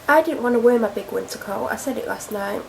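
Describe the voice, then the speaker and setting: Young woman, a home vlogger with a cold. Chatty and rambling. Slightly high, gravelly voice, faint background hiss. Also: quick pace, darkish tone. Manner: rambling, self-deprecating, chatty. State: congested, snotty from a cold. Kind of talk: casual chatty vlog to camera. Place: at home, indoors. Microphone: camera mic.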